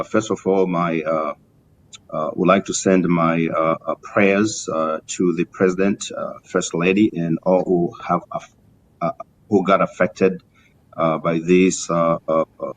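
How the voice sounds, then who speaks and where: A middle-aged man with a Tanzanian accent answering as an interview guest, formal and courteous, with many halting hesitations. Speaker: interview guest, community business leader. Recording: muffled lo-fi link with rumbling noise.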